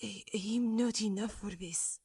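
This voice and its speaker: A woman playing a frightened young companion in an audio drama, stammering and pleading in a halting, timid way. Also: mid-range voice, warm tone, husky. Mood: scared, faltering. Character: frightened, pleading young companion afraid of being left alone.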